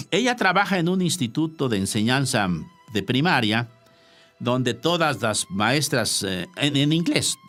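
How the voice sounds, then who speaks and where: A male preacher delivering a sermon with emphatic, expressive phrasing. His pitch sits mid-range but swings widely. Soft instrumental music plays behind him.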